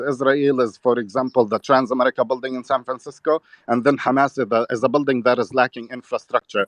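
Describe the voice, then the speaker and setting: At a fairly quick pace, a man talks in a monotone, flat intonation at medium pitch, the sound dry and close with no echo. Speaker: debate participant. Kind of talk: heated debate. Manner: calm; halting.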